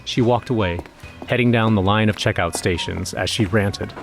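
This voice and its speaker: A man's voice: lowish voice, moderate pace, vocal fry, faint music behind. An actor playing an anxious young man who narrates his own horror story in a scripted audio drama. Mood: uneasy, tense. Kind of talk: first-person scripted horror narration with acted dialogue.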